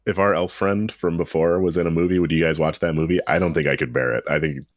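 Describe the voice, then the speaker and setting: Man with a very deep voice, wry chat. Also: steady tone, fast, dry recording, studio quality. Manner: wry, rambling riffs. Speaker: podcast co-host. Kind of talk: casual comedic chat.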